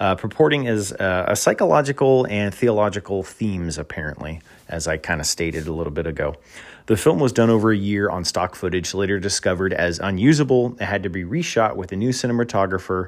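Talking very fast, a man with a fairly low voice uses lively intonation. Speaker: solo podcast host reviewing movies and games. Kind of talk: casual monologue review.

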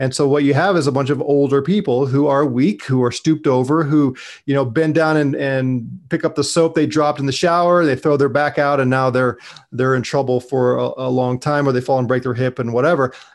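A man with a plain, everyday voice speaks at a fairly quick pace in a fairly high pitch, his intonation fairly even and his loudness very even, over a quiet background. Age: 50s. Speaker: pastor and seminary president. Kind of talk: casual chat.

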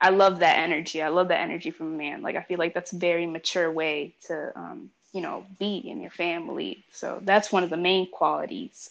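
A woman with a Spanish accent speaks fairly quickly at a fairly low pitch against a quiet background. Her pitch varies in an ordinary way while her loudness swings widely. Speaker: interviewee. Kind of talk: casual chat. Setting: phone call.

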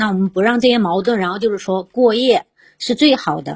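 Fairly high and somewhat breathy, a woman's voice moves at a fairly quick pace with ordinary pitch variation. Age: 30s. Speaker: caller. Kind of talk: call-in advice chat.

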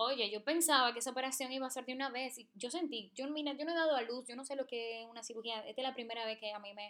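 Talking at a very fast pace, a woman has a bright, sharp tone. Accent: Dominican. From Dominican Republic, Santo Domingo. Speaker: illustrator and small business founder. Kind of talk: casual interview chat.

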